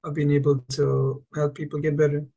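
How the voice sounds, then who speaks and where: A man's voice: a little high, completely flat delivery, fairly quick, gravelly, dark tone. A man from India, a nursing student, answering thoughtfully with hesitant starts. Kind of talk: panel answers.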